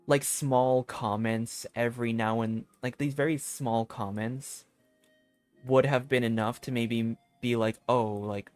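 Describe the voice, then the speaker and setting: A man streams a game with casual, rambling commentary. His voice sits at an average pitch. He thinks aloud haltingly, with soft music playing behind him.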